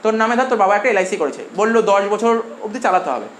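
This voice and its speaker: Lecturing a commerce class, an Indian man with a Bengali accent keeps quizzing his students with repeated questions. His voice is high, sing-song and rapid-fire, with a fairly bright tone, recorded in an echoey room with faint noise.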